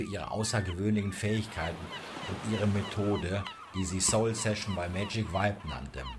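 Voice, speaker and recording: Over noticeable background noise, a man speaks at a moderate pace in a fairly low voice. His tone is calm and soothing, with ordinary pitch variation. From Paphos, Cyprus (currently based). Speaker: spiritual podcast host and soul coach. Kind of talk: fairy tale narration, scripted storytelling read aloud. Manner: calm, measured storyteller pace with a soothing, dreamy, mystical tone.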